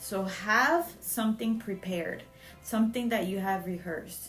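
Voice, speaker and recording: Music plays in the background while a woman speaks with a non-native accent. Her pace is moderate and her pitch variation ordinary. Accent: foreign accent, non-native English. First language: not English. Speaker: podcast host, communication coach. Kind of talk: motivational podcast talk.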